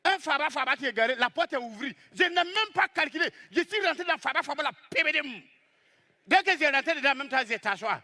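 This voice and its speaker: A man telling a comic story on stage as a stand-up comedian, lively and exclaiming as he acts out the scenes. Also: extremely high pitch, fairly quick.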